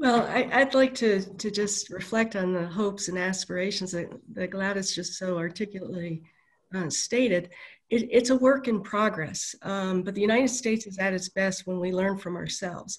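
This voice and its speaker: A woman speaks in a somewhat breathy voice. The background is quiet. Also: ordinary pitch variation, moderate pace. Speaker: nonprofit president; guest. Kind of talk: panel discussion. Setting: video call. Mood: earnest, reflective. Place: home room. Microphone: video call.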